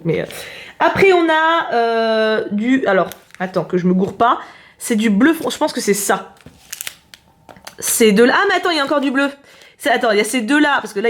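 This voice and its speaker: A woman talking casually as she unboxes a parcel on camera, chatty and exclamatory, thinking aloud as she goes. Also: a little high. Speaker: YouTuber host.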